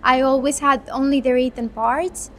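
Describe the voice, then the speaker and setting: A young Greek woman with a high, light voice answers questions in a thoughtful, unhurried way, sometimes restarting a phrase. A faint outdoor hum sits behind her. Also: steady tone. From Greece. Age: 20s. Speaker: medical student. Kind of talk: interview.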